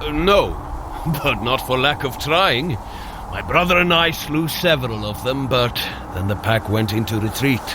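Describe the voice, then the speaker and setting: A man's voice: mid-range voice, lively intonation, a little slow, noisy background, close to an everyday voice. An actor playing a hearty, good-natured warrior god in an audio drama, effusive and archaic in his phrasing. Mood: candid. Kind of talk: scripted audio drama acting.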